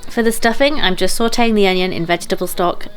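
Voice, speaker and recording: A woman's voice: mid-range voice, fast talker, soft background music. A woman giving casual cooking vlog narration, chatty and dryly humorous.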